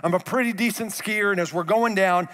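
A middle-aged male pastor preaching a sermon, conversational and animated, acting out the voices he quotes. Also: sits high, fairly quick. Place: large church hall. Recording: long hall reverb.

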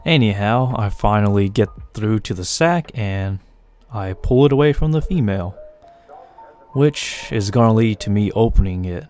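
Here a deep-voiced young man from the US, who breeds tarantulas and runs a channel, delivers laid-back, wandering voice-over at a moderate pace, poking fun at himself along the way. His American accent carries a slight Asian tinge that he acknowledges himself. Soft music plays faintly beneath narration recorded apart from the video footage.

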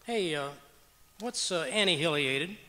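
A man's voice: on the high side, lively intonation, unhurried, pushed and bright. Man playing folksy, blustering husband, swooping delivery. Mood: earnest. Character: blustery, stubborn husband who hoards junk. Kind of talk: old-time radio comedy acting. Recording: echoey auditorium stage.

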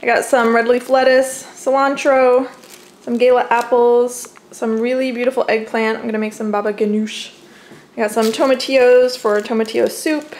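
A woman's voice: a little high, steady tone, moderate pace, a little mellow. A young adult American woman narrating a casual, chatty home vlog from her kitchen, recorded on a camera mic. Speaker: home vlogger showing groceries. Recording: clearly noisy home camera audio.

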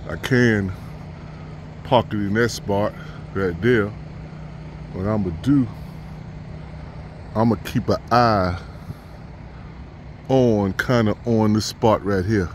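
A man's voice: on the low side, slow pace, long pauses. A man in his fifties, a truck driver, talking unscripted into a phone held at arm's length as he walks a parking lot at night, rambling and repeating words. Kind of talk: unscripted walking vlog. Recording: phone audio with outdoor traffic noise.

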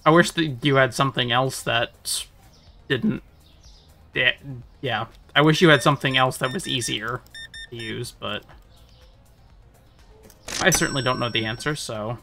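A man streaming a game, talking casually with chat and breaking into loud playful rants. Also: medium pitch, measured pace, pauses often, soft background music. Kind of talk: casual live-stream chat while gaming.

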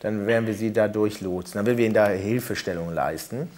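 A man using a disguised deep voice to play a deadpan male hotline operator on a prank phone call, slow and hesitant with many fillers. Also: loud music behind the voice, natural voice. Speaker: TV show host posing as ticket hotline operator.

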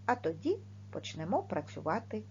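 A woman teaching a video lesson for young children, speaking clearly and stressing each word and sound. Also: fairly low pitch, very animated, lo-fi sound, slight background noise. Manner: slow, clearly articulated, stressing words and sounds. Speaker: primary school teacher.

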